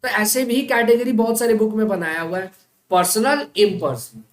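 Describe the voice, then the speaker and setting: A woman teaching an accounting class in speech, often asking the class check questions and slowing down to spell out key terms. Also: mid-range voice. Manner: stretches out key terms slowly, as if for dictation. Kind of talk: classroom lecture. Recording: echoey classroom with faint noise.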